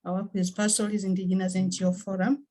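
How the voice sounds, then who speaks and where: A woman's voice: mid-range voice, flat delivery, fast talker, warm tone. Earnest Tanzanian woman at a meeting. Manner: earnest, with fillers and restarts. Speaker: NGO worker. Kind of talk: online meeting remarks.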